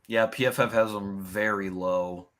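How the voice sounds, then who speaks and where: A man's voice: fairly low pitch, steady tone, unhurried, a bit bright. A man co-hosting a sports podcast, talking bluntly and swearing freely in casual chat. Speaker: podcast co-host.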